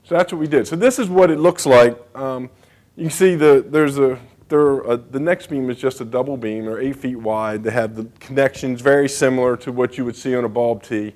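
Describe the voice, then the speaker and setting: A man's voice: mid-range voice, a little mellow. A man giving a conference presentation as a state bridge engineer, speaking casually with frequent fillers and asides.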